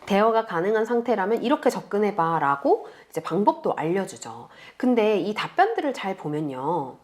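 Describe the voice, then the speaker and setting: A woman teaching beginners step by step in a calm, patient screen tutorial, speaking close to the mic. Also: medium pitch. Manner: patient, explains slowly to beginners. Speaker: online tutor.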